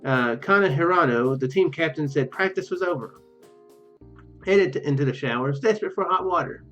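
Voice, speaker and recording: A man with a slightly high, very lively voice gives casual let's play commentary. He reads game text aloud in a halting, rambling way, doubling back to correct himself. The sound is muffled, with game music playing behind him. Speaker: let's play video host.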